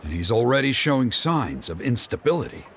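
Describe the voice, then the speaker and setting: A man's voice: mid-range voice, big pitch swings, a little fast, gravelly, background noise. An actor playing a middle-aged tribal elder and protective father in a video game, formal and theatrical, stammering when flustered. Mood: grave, explaining. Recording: game music behind the voice. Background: game background music.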